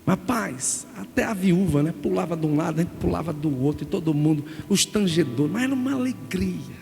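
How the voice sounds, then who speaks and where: A middle-aged Brazilian man preaching a sermon, telling an emotional story in an animated way. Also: on the high side, brisk, creaky. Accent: Brazilian Portuguese. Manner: emotional storytelling, animated, calls listeners "gente". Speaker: pastor. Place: church sanctuary. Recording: reverberant church hall with music.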